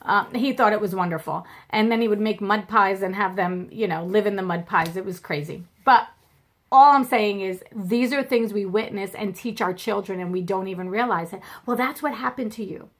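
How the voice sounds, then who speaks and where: A middle-aged woman giving an informal Christian teaching, talking conversationally with lots of fillers and lively quoting. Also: medium pitch, normal speed. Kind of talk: informal faith-based teaching.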